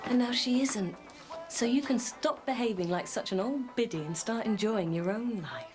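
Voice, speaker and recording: A woman's voice: on the high side, animated, moderate pace, music in the background, natural voice. An actress playing a teasing, persuasive woman in a TV soap. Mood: coaxing. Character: coaxing woman, teasing and encouraging. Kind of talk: TV soap acting.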